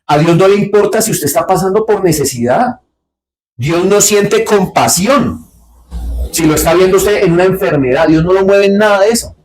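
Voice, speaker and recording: A pastor preaches a Bible study sermon, posing rhetorical questions and answering them himself. He swings between low, quiet asides and sharp, raised points.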